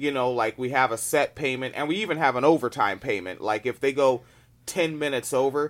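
Here a man speaks at a medium pitch. He has an American accent. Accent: West Coast US drawl, increasingly noticeable. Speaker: podcast host. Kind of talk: casual chat. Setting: home recording, early morning.

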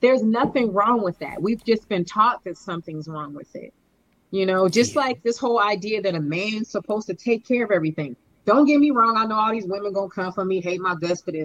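In an ordinary speaking voice, a woman of medium pitch speaks at a fairly quick pace with lively intonation. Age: 40s. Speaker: podcast guest. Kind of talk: casual chat. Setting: video call. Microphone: connection going in and out.

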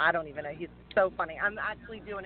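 A woman's medium-pitched voice with a slight Southern US accent and fairly even intonation. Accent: slight Southern twang. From Louisiana. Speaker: comedian and actress. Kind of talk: casual interview chat.

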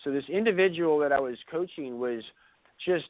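A man's unremarkable speaking voice, fairly high in pitch, with lively intonation. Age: 50s. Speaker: ADHD coach and radio show host. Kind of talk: radio talk show interview. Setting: studio.

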